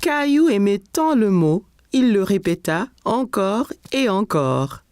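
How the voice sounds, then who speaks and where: A woman playing a gentle storyteller who narrates a children's cartoon in scripted storybook style. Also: mid-range voice, big pitch swings, slow, smooth, no room sound, studio quality. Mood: storytelling. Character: gentle storyteller narrating a small boy's day.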